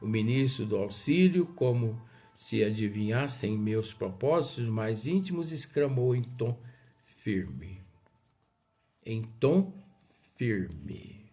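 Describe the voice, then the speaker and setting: Man, study leader, reads and comments, very lively intonation, slow pace. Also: on the low side. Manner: animated, playfully acts out the characters' exchanges. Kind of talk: reading aloud and explaining a spiritist book.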